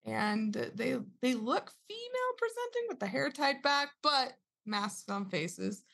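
A woman playing a tabletop role-playing game, teasing and making quick quips. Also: high-pitched, big pitch swings, creaky, a bit bright. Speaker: player. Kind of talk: casual tabletop play.

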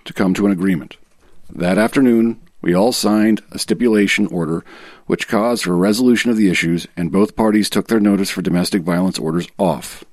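A man reading a legal declaration aloud in a formal, measured way, as a guest reader. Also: low voice, darkish tone, no echo, clean studio sound. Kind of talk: dramatic reading of a legal affidavit.

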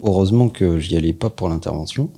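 A man's voice: low-pitched, fast, mellow, breathy edge. A man co-hosting a podcast in casual chat, who also gives talks, speaking with dry, wry humor. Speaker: podcast co-host, public speaker.

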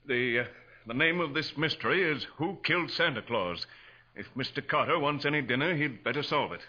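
A man's voice: medium pitch, animated, a little fast, pushed and bright. A man acting a tense, bitter businessman suspect in a 1940s radio crime drama. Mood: uneasy, reciting. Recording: dull vintage 1940s radio recording.

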